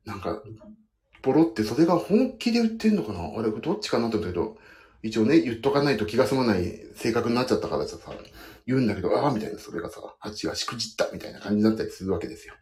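Speaking at a racing clip, this man has a medium-pitched, sing-song voice that's a little mellow. The pianist-podcaster rambles about his job while his feet soak in a bath, telling self-deprecating stories, all caught with echoey bathroom acoustics.

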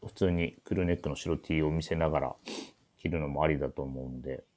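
A man with a very deep voice hosts a menswear shop's radio show. He introduces clothes in a casual but polite way. He often hesitates and thinks aloud as he goes. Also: steady tone, a little fast, darkish tone.

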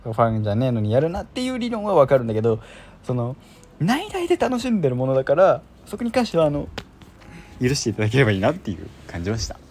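A man's voice: medium pitch, wildly swooping pitch, quick pace, darkish tone, soft background music. A man hosting a casual solo chat show, rambling and self-deprecating with lots of filler words. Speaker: podcast host.

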